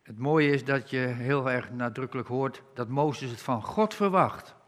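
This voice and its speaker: Preacher in a reverberant hall. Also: male voice, medium pitch. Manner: slow emphatic scripture reading, rising on key words. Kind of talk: sermon.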